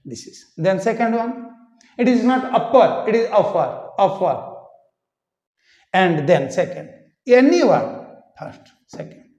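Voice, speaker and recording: A man teaching an English pronunciation lesson, repeating words slowly to show how they should sound. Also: high-pitched, sing-song, a little mellow. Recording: echoey room, muffled lo-fi sound.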